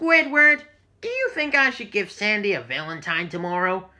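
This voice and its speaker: In a put-on character voice, a female-sounding voice at a medium pitch makes very wide pitch swings at a moderate pace against a quiet background. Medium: read story. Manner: eager, earnest.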